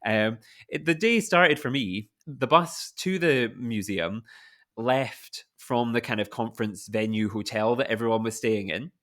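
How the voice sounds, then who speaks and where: A man's voice: medium pitch, unhurried, a bit bright. Chatty Scottish man hosting a podcast. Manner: rambling and enthusiastic, many fillers like "like". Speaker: podcast host. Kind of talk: casual podcast chat.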